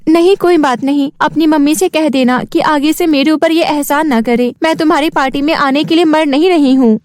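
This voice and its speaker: A woman voicing a stubborn, sulky poor schoolgirl in a children's cartoon, whiny, demanding and quick to talk back. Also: high-pitched, darkish tone, no room sound, clean studio sound, pitched above the performer's own voice, close to an everyday voice. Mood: defiant. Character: stubborn, sulky poor schoolgirl who craves pretty clothes.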